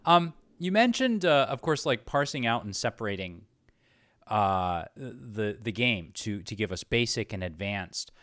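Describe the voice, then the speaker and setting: A man's voice: fairly low pitch, animated, unhurried, a bit bright, dry recording, studio quality. A man hosting a casual, conversational interview as an attentive listener. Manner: attentive, frequent short acknowledgements. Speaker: interviewer, host.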